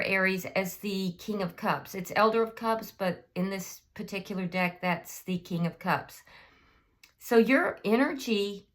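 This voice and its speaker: A woman gives a casual tarot reading at a slow, unhurried pace. Her voice is slightly hoarse from a cold, and she thinks aloud with frequent ums and restarts. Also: mid-range voice. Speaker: tarot reader.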